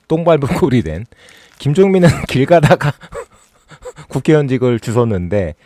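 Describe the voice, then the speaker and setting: A man hosts a political livestream in a sarcastic, mocking tone that builds into exasperated rants. His pitch swings widely as he talks, and the sound is dry and close with no room in it. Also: mellow, dry recording. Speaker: political YouTube host. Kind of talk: casual political commentary livestream.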